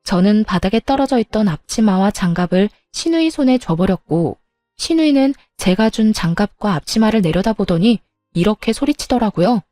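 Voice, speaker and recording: A woman's voice: mid-range voice, animated, moderate pace, warm tone, no room sound, soft background music. A woman narrating her own family story in a wry, matter-of-fact scripted reading.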